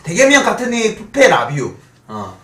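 A young man with a high voice hosts a casual live stream. His delivery is extremely lively, full of banter, and he sounds roomy and set back from the microphone. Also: moderate pace, distant mic. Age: 20s. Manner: animated, swearing banter with laughter. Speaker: streamer hosting a mukbang talk show with a guest. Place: small indoor streaming room. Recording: roomy echo, off the mic.

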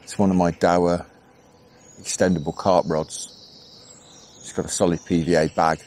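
Middle-aged english guy, low voice, talking through his fishing session outdoors, laid back, a little birdsong hiss behind. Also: moderate pace. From England. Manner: relaxed, chatty, thinks aloud with fillers. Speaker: angling vlogger. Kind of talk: casual commentary while fishing. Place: outdoors on a canal bank at dawn. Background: birdsong and insects.

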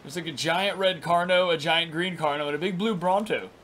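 Excited young man with a raspy morning voice. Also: on the high side, fairly quick. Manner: energetic, crude, rambling with lots of "like". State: raspy from just waking up. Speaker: gaming YouTuber. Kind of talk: excited gameplay commentary. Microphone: headset.

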